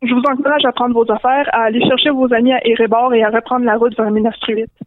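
Blunt sarcastic innkeeper, high voice, Québécois slang, as a woman plays him; phone-line sound. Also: level tone, quick pace, no room sound, natural voice. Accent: Québécois French.

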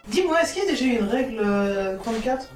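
A woman teasing and asking eager questions in casual chat, her voice high. She sounds far from the mic in an echoey space, with loud music behind her. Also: lively intonation, quick pace.

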